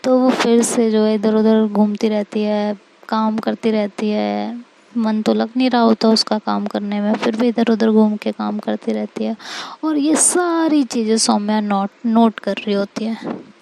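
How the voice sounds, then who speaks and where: A woman telling a love story in a casual, unhurried retelling. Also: on the high side, fairly even intonation, creaky, a little mellow, slight background noise, rough recording.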